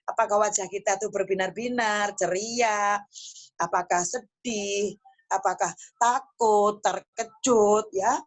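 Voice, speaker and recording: A woman's voice: mid-range voice, steady tone, slow. A woman giving an online class lecture to teachers, chatty and emphatic, speaking into a phone. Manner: chatty, emphatic, tags phrases with "loh ya". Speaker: guest lecturer.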